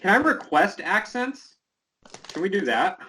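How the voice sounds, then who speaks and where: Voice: medium pitch, very animated, measured pace, bright, forceful tone, rough recording. A co-host giving wry, amused commentary on a text adventure in casual chat. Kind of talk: casual let's-play banter.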